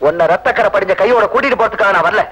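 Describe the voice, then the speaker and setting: An actor playing a gentle, desperate brother who pleads for justice, from an old film soundtrack with music behind. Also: male voice, very fast, muffled recording, lightly acted. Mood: pleading. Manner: pleading, husky high voice.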